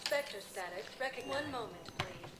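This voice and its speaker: Calm ship computer. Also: female voice, mid-range voice, a little slow, very noisy. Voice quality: calm, even announcement tone. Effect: computer announcement voice. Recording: roomy game audio under loud music.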